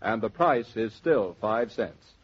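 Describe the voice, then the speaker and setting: A man announcing as a radio host, reading a sponsor message in smooth, polished delivery. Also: lowish voice, lively intonation, slow, heavy background noise. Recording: dull 1940s radio transcription with music.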